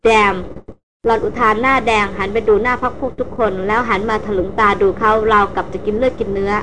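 A woman reading a novel aloud as an audiobook narrator, in steady storytelling. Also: fairly high pitch, quick pace, crowd noise. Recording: noisy recording with vehicle hum.

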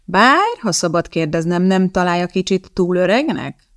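A woman's voice: lowish voice, very animated, no echo, studio quality. Woman reading as a sneering female personnel officer. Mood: mocking. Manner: mocking, needling.

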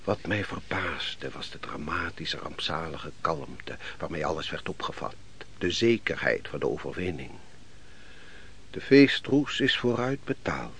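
Defeated ancient nobleman, very deep voice, slow solemn declamation, brooding, radio drama, noisy old recording. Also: expressive, a bit bright, heavily acted. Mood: bitter, grand. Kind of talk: theatrical Dutch radio play acting.

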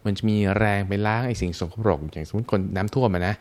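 A man's voice: lowish voice, fast, darkish tone. A man, a monk, explaining teachings on a radio show through everyday examples in an informal way. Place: radio studio.

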